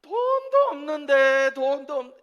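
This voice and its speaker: A man doing a gruff Gyeongsang man. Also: very high voice, big pitch swings, unhurried, a bit bright, in a large hall, voice pushed up, full character voice. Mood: gruffly teasing. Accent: Gyeongsang dialect. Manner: blunt, grumbling, gruffly teasing.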